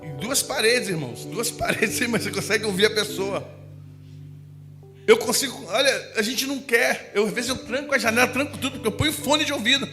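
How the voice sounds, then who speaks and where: A man preaching a sermon, telling funny stories with shouted asides and impressions. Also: very high voice, fairly quick. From Brazil. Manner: animated, humorous storytelling with shouted asides and impressions. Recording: music playing behind the voice.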